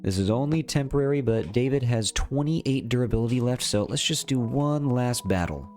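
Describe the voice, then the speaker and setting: A man's voice: medium pitch, animated, moderate pace, darkish tone. A man with a slight cold giving casual, chatty gameplay commentary as host of a gaming series, thinking aloud as he goes. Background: music.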